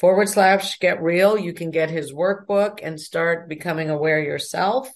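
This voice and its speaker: A woman with an ordinary speaking voice talks at a fairly slow pace, her pitch fairly low with ordinary pitch variation. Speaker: podcast host. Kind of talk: interview.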